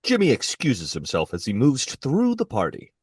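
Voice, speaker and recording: A man's voice: mid-range voice, wildly swooping pitch, normal speed, slightly rough, no room sound, clean studio sound. A man reading stage directions as scripted narration for an audio play.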